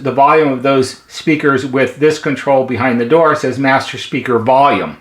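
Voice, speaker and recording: A man's voice: medium pitch, fairly bright tone. A middle-aged man with an American accent gives an unscripted, methodical, plain-spoken product walkthrough as a repair technician. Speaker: presenter, intercom repair technician. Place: indoor workshop at a workbench. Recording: roomy, echoing indoor sound.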